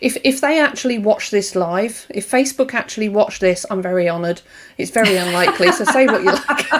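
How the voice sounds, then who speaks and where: The speech moves fairly quickly while noticeable background noise carries on underneath. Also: woman, fairly high pitch for a woman, lively intonation. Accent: East Anglian. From southern and eastern England (Kent, Norfolk). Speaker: live show host. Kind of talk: casual interview chat. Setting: Facebook Live video call.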